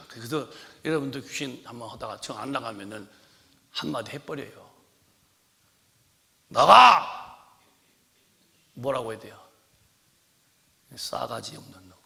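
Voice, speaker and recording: A male pastor preaching a sermon with animated storytelling, swinging from quiet asides to shouted commands, in a church sanctuary. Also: medium pitch, vocal fry. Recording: long church-hall reverb.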